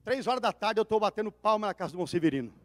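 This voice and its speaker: A man with a Brazilian Portuguese accent preaching a sermon as pastor, telling a story with dramatic swings between loud cries and hushed asides. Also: high voice, expressive, racing. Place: church. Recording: reverberant church hall.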